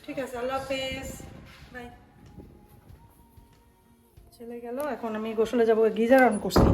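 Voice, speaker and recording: A woman's voice: on the high side, a little mellow, low-quality recording. Chatty Bangladeshi woman vlogging at home. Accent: Bangladeshi Bengali. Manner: chatty, talks to camera and family while doing chores. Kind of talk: casual chatty cooking narration. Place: home kitchen.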